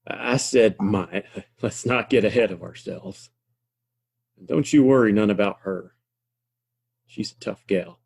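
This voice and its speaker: Man playing a husky, folksy frontier townsman. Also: on the low side, measured pace, long pauses, a little mellow, exaggerated voice. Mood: reassuring, wry. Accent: American. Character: folksy, steady frontier townsman, kindly and wry. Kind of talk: Western audio play acting.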